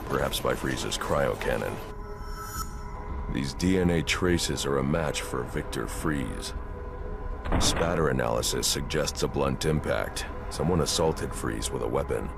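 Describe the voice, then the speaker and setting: A super deep gravelly caped detective, grim and clipped, game music under it. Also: male voice, unhurried, heavily acted. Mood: analytical. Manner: terse, clipped investigative monologue. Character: grim brooding masked male vigilante detective. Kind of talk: video game cutscene voice acting.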